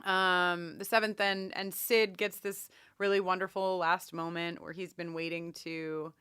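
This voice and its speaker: A woman co-hosting a podcast, chatting casually and emphatically as she recaps a TV episode, with animated mock exasperation. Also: lowish voice, unhurried, clear, resonant tone, dry recording, studio quality. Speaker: podcast co-host.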